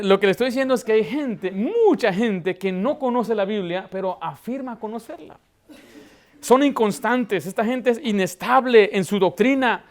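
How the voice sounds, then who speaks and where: A man preaching a Baptist sermon as pastor, telling stories and raising his voice to stress a point. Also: sits high. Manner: preaching with anecdotes, voice rising for emphasis.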